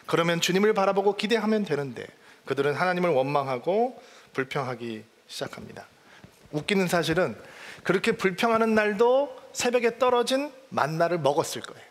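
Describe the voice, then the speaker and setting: A pastor with a high-pitched voice preaches in an easy, conversational way and keeps questioning his congregation. His words carry a long reverb from the church sanctuary around him. The sermon moves along in a plain, talking tone.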